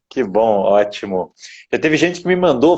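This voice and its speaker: This man keeps a moderate pace, his intonation lively. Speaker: live stream host. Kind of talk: live stream interview.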